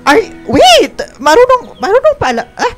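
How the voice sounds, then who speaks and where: A man's voice: very high voice, huge pitch swings, a bit bright, full character voice. A man playing a flamboyant gay young best friend in a radio drama, with a campy, theatrical way of talking. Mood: hysterical panic. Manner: campy, dramatic, drawn-out shrieks and English interjections. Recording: music bed behind the voice.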